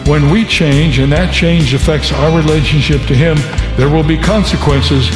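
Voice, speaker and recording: A man's voice: on the high side, fairly even intonation, normal speed. A man speaking earnestly and reflectively in a radio promo clip. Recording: roomy reverb with guitar music.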